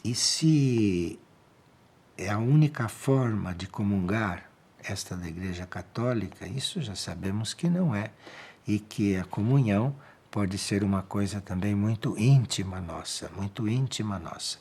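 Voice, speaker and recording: A man speaks with a Brazilian Portuguese accent in a very slow, unhurried spiritual talk. His voice is fairly low and husky. He answers questions calmly and repeats key phrases for emphasis. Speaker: spiritual teacher giving a monthly talk.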